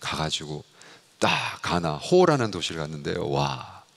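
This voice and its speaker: A middle-aged man, a pastor and missionary, preaching a sermon in an animated storytelling way, acting out dialogue and sometimes shouting. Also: rumbling low, unhurried, creaky.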